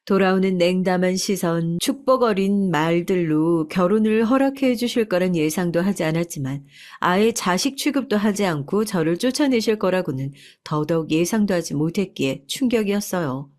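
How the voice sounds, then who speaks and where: A woman narrating a first-person life story in a soft, confiding way. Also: on the low side, expressive, normal speed.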